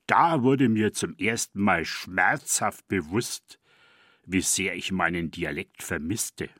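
Older man in his 70s, dialect poet, reads a scripted essay in a low voice with a dry, close sound. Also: fairly bright tone, no echo. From Franconia, Germany. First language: East Franconian dialect. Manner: measured, deliberate reading. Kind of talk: scripted personal radio essay.

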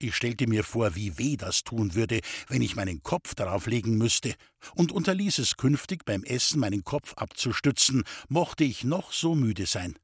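A man from the Bavarian Forest reads his childhood memoir aloud, calm and unhurried. His voice is husky and middle in pitch. The recording is close and dry. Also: no room sound. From Bavarian Forest, Germany. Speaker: author reading his memoir.

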